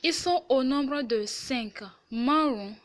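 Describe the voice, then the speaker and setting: A woman teaching a language lesson, explaining slowly and carefully and repeating each word. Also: high voice. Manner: slow and careful, repeats words. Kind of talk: Yoruba lesson in French.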